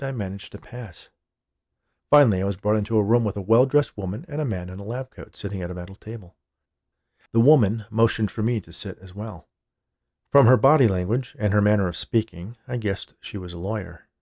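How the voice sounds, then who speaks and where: A man narrates a short story in the first person. His voice sits on the low side, and the recording is close and dry, like a studio fiction podcast. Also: dark tone, dry recording. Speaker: writer, narrator and podcast host.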